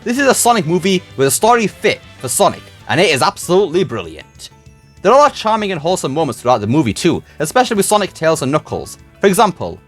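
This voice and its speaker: A man reading a scripted movie review as a voice-over, slipping into casual, slangy turns of phrase. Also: on the high side. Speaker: YouTube film reviewer and host. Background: music.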